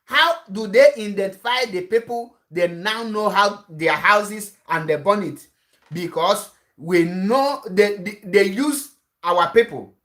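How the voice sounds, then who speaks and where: A man's voice: sits high, takes it slowly, fairly bright tone. A man with a Nigerian accent whose first language is Igbo, giving an impassioned online address as an activist broadcaster, repeating his warnings and restarting his sentences often. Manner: insistent, repetitive warnings, frequent restarts.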